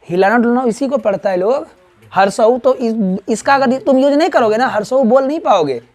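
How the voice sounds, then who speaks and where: A man's voice: extremely high pitch, expressive, fairly quick, a little mellow. A man with a Bihari Hindi accent teaching a grammar lesson to a class, firing questions at students and checking with them constantly. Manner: quizzes students in call-and-response, keeps asking "right?".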